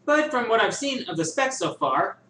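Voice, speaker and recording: A man hosting a viewer question show, musing and thinking aloud with many pauses in casual chat. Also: high-pitched, sing-song, bright, forceful tone, recorded from a distance, a little hiss or hum. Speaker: host answering viewer questions. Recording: echoey room, voice a bit off-mic, faint ambience.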